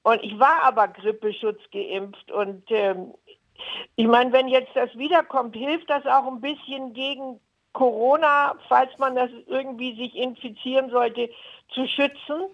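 Creaky elderly woman on the phone. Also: sits high, steady tone, a little slow. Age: 80s. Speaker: phone-in caller. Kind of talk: hesitant conversational questions. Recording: dull lo-fi telephone line.

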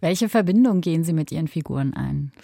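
A woman interviewing a guest, asking calm, measured questions. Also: deep voice, vocal fry, no echo, clean studio sound.

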